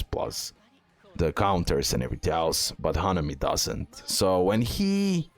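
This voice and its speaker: Deep-voiced man doing casual game commentary. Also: dry recording. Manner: thinks aloud, slangy, repeats himself. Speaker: game streamer, guide maker.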